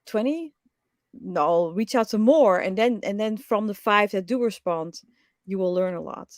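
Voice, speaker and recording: A woman guest on a podcast with a raspy voice, talking frankly and eagerly in casual chat. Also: mid-range voice, expressive, a little slow, no echo, clean studio sound. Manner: enthusiastic, frank, with fillers.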